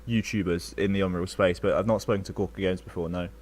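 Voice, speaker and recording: A man hosting a casual live-stream Q&A about game development, talking in a relaxed, friendly way with quick asides. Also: deep voice. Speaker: YouTube tutorial creator, stream host.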